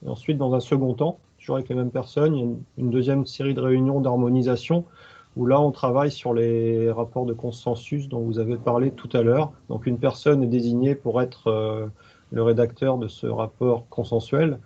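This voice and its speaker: Man, gravelly, hesitant webinar panelist, lo-fi call sound. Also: medium pitch, fairly even intonation, moderate pace, dark tone. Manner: hesitant, many restarts and fillers. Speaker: expert evaluator panelist. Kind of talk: webinar discussion.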